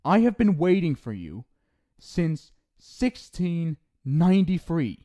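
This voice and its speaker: A young man talks softly in an ASMR roleplay, scolding the listener with teasing affection. His delivery is slow and unhurried. His tone is warm and mellow. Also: a little high, big pitch swings.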